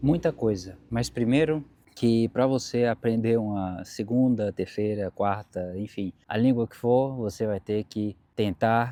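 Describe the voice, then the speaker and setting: A man speaks at a fairly slow pace in a dark, mellow tone, at a medium pitch with ordinary variation. The sound is dry and close, with no echo. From Brazil. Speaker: vlogger living abroad. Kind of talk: casual vlog monologue. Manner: hesitant, with fillers.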